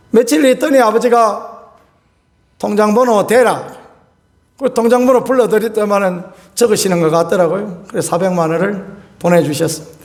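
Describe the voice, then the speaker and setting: A pastor in his fifties preaches with a high, light voice. He tells a homely personal story in a folksy, animated way, chuckling as he goes.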